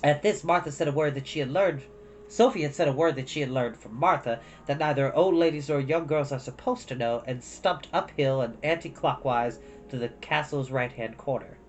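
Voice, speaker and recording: A man's voice: mid-range voice, normal speed, a little hiss or hum. A man hosting an online storytime, chatting casually and reading a storybook expressively. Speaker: host of an online storytime show. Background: background music.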